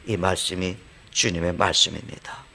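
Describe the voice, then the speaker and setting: A male pastor preaching a sermon in an earnest, conversational way, dropping to a soft voice for quoted words. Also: low voice, steady tone, normal speed, vocal fry. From South Korea. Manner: earnest preaching, acts out quoted lines softly.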